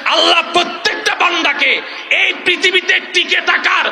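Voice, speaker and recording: A man preaching a waz sermon at a large gathering. He shouts to the crowd and calls for responses, then drops to soft, close tones. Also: extremely high pitch, normal speed. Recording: echoey PA sound with loud crowd noise.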